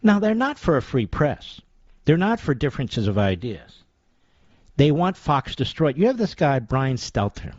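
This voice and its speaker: Male talk radio host, sarcastic and combative, very animated delivery, dull dry audio. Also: mid-range voice, unhurried, no echo. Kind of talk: opinion talk radio monologue.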